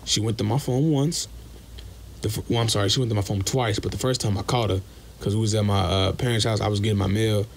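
Low-voiced young man telling a blunt story. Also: a little hiss or hum. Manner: blunt and profane, acts out quoted dialogue. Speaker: listener sending a voice message. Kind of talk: casual storytelling.

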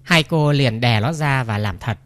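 A man's voice: mid-range voice, a little slow. A man reading a string of short jokes aloud as scripted narration, voicing every part himself with only small shifts. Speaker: joke narrator.

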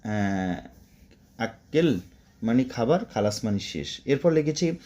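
Lively, mellow-voiced man teaching Arabic. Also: mid-range voice, slow, dull audio. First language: Bengali. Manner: repetitive, drilling words, chatty asides. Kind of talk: spoken Arabic lesson for Bangla speakers.

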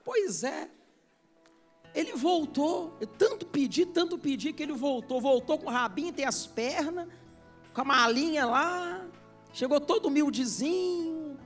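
A male preacher voicing an older wife whose husband left her, proud and tearful, with a high, shrill, scolding voice. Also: expressive, a little slow, fairly bright tone, faint music behind, heavily acted.

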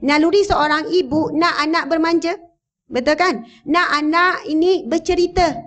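Woman preacher, Malaysian Malay accent, high pitch, animated and engaging with the audience. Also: moderate pace. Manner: animated, addresses the audience with questions. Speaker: religious teacher. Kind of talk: religious talk to a mosque audience. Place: mosque hall, indoors. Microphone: handheld or lapel microphone, standing.

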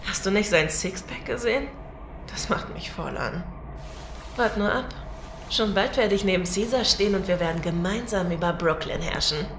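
A woman's voice: mid-range voice, normal speed, close to an everyday voice. An actress playing a brazen, ambitious, scheming woman in a German audio drama, cynical and unashamed. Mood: cynical, defiant. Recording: echoey room, clear background noise.

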